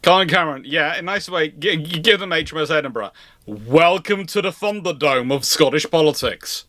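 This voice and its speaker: A man's voice: a little high, animated, normal speed, pushed and bright, no room sound. A man hosting an informal question-and-answer panel, explaining his points emphatically and repeating himself for stress.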